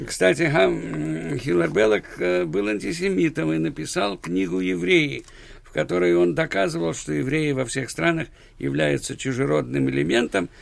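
A man, a guest author on a radio show, hesitating with fillers and reciting short verse slowly. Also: fairly high pitch, creaky, no echo. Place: radio studio.

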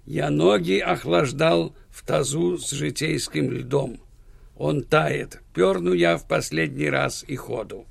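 A man, a guest author on a radio show, hesitating with fillers and reciting short verse slowly. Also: on the high side, gravelly, slightly rough, no echo. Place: radio studio.

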